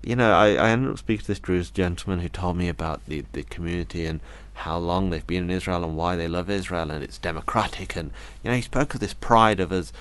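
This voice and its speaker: Male interview guest, very low voice, earnest and reflective in his telling. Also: a little fast, few pauses, a bit bright, clear, resonant tone. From Britain. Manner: earnest, thoughtful, retells conversations in detail. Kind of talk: reflective personal account.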